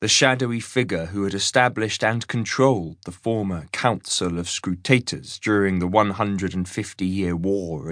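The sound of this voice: An unforced reading voice with ordinary pitch variation.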